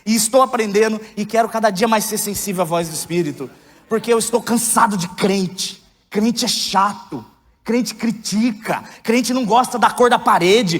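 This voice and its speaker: Brief: male preacher, thirties, high-pitched voice, joking candid delivery, church hall with long reverb. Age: 30s. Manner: candid, joking, rising to loud emphatic outbursts. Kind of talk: sermon.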